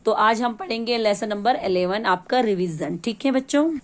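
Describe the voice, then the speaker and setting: A woman's voice: medium pitch, normal speed. A woman from Ladakh, a primary school teacher, patiently explaining a revision lesson to young children.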